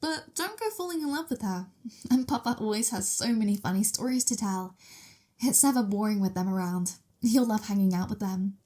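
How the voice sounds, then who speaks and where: A woman playing a childlike, excitable vampire mistress in an ASMR roleplay, with a gleeful, teasing, innocent manner. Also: medium pitch, moderate pace, close to an everyday voice. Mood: chatty, fond.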